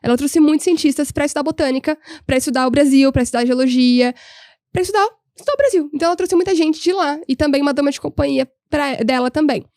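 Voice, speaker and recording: A young woman, a podcast guest telling history stories in an animated, humorous way. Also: high-pitched, fast, no room sound, clean studio sound. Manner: animated, humorous, voices quoted people. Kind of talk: casual storytelling chat.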